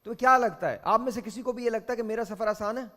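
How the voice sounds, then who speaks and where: A man's voice: high voice, fast talker, sharp tone. A man with a Pakistani accent hosting a game show, lecturing contestants sternly and slipping into English phrases.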